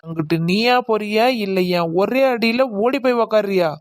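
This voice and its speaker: A woman voicing a loud drunk village husband who blusters and threatens with slurred swagger. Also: mid-range voice, moderate pace, no echo, clean studio sound, natural voice. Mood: drunk angry. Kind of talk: cartoon comedy voice acting.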